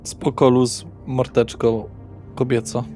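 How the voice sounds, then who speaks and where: A man's voice: medium pitch, level tone, slow pace, mellow, faint music behind, close to an everyday voice. A man playing a slangy, laid-back, clueless young slacker in an improvised roleplay audio drama.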